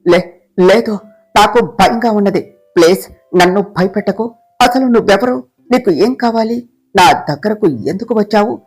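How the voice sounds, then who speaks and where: A woman's voice: medium pitch, moderate pace, pauses often, husky, natural voice. Frightened scheming young woman voiced by a woman, raised voice, panicked, pleading, storybook telling.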